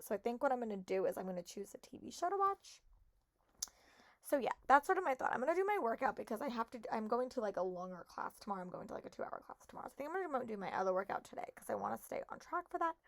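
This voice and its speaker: A young woman with a hoarse voice, chatting casually and upbeat to viewers in a reading vlog. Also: fairly high pitch, sing-song, fast, no echo. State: hoarse, voice shot. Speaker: book vlogger.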